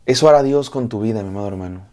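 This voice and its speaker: A man's voice: lowish voice, rapid-fire, mellow. A man, a pastor, preaching a devotional sermon, repeating phrases in rhythmic lists and speaking straight to the listener.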